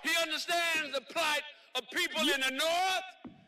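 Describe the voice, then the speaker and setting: A man from South Carolina with a Southern drawl, a pastor and lawmaker giving a rousing outdoor rally speech with a preacher's cadence and repeated, shouted lines. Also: very high voice, unhurried, background noise. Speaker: pastor and state legislator speaking at a rally. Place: outdoor rally in cold weather.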